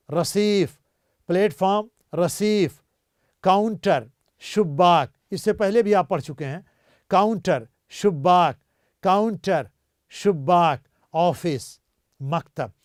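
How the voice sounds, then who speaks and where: A male teacher leads a slow repeat-after-me drill, saying each word deliberately several times. His voice sits high for a man, and the recording is dry and close, with no room sound. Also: a little mellow, clear, resonant tone, no room sound. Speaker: language teacher.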